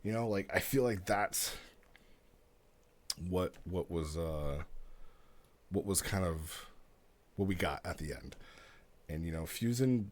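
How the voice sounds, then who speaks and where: A man's voice: sits low, lively intonation, slow, long pauses. A middle-aged man giving a casual recap as a streamer, acting out parts as he tells the story. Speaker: streamer and role-player.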